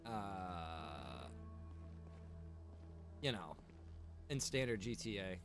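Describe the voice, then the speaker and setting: Animated man chatting on a game stream. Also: deep voice, extremely slow, over music. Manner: chatty, informal, thinking aloud. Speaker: live streamer. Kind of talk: casual game stream chat with viewers.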